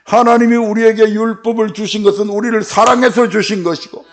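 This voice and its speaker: A man's voice: high voice, fairly even intonation, fairly quick. A male pastor in his fifties with a Gyeongsang dialect, preaching a folksy sermon in a church and asking his congregation questions. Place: church sanctuary.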